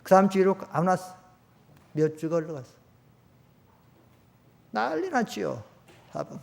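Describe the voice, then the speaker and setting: An older man, a pastor, preaching a sermon in a church, talking conversationally and swinging between loud emphatic peaks and low quiet storytelling. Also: big pitch swings, normal speed, creaky. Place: church sanctuary.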